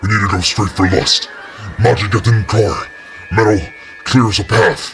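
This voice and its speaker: A man puts on a character voice with a fairly low pitch. He talks at a moderate pace. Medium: read story.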